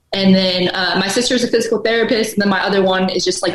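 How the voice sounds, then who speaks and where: With an American accent, a woman speaks at a medium pitch amid noticeable background noise. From Colorado, Fort Collins. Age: 20s. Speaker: personal trainer, former college volleyball player. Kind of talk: podcast interview. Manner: casual, filler-heavy.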